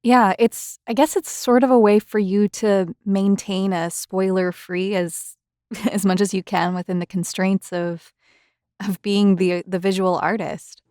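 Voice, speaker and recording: A woman with a mid-pitched voice, recorded close and dry with little room sound. She speaks as a podcast host and interviewer, courteous and conversational. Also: little pitch movement, a little slow, dark tone, dry recording.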